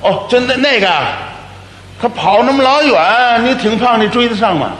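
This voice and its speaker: A scornful street cop of the old days scolds and mocks, as a man puts him on. The voice is pushed high with lively swings. It rings through an echoey hall with faint noise behind. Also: moderate pace. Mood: scornful scolding. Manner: scolding, mocking. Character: bullying old-era male street policeman, scornful.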